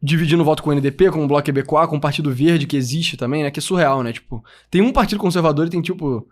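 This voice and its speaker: A man co-hosts a podcast, talking through political news in a loose, joking way. His voice is fairly high and he speaks at a racing pace.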